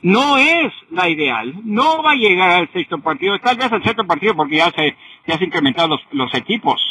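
Older Mexican man, high husky voice. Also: very animated, fairly quick, bright, forceful tone, no echo, low-quality recording. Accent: Mexican, Jalisco. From Jalisco, Mexico. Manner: rambling, repeats "ok?". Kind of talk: heated sports call-in talk. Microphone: phone while driving.

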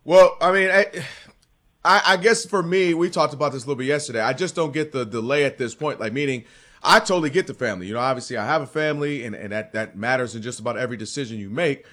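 Sports radio host guy, excitable, trips over his words, bright punchy voice. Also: medium pitch, fast. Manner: excitable, stumbling restarts.

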